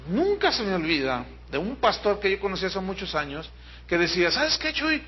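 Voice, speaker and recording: A man's voice: sits high, very animated, husky, dull audio. A man with a Mexican accent, a pastor preaching a sermon in a church auditorium, emphatic and drawing out key words. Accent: Mexican Spanish. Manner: emphatic preaching, drawn-out stresses, mimics people.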